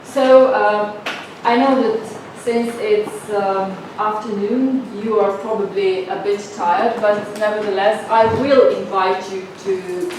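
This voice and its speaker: A woman from northern Slovenia gives a seminar lecture, pausing often on filler sounds and inviting the audience to answer her questions. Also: medium pitch, steady tone. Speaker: guest lecturer. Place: lecture room. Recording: very echoey room, mic far off, noisy.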